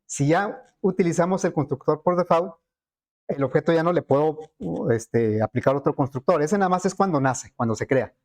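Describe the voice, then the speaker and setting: A man walks students through code in a screen-recorded lesson. His voice sits a little high for a man, and he thinks aloud, pausing on fillers and checking in with his class as he goes. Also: darkish tone. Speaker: programming teacher.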